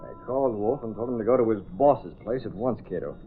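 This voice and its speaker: An actor with a lowish voice plays a calm, authoritative hero in a 1930s radio drama, speaking in a measured, lightly acted way. The recording is old, scratchy, and narrow.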